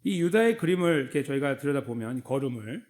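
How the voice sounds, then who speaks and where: A man's voice: medium pitch, sing-song, fast, a little mellow. A man preaching a Sunday sermon as a pastor, in a conversational way, acting out short dialogues between God and the people. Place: church sanctuary.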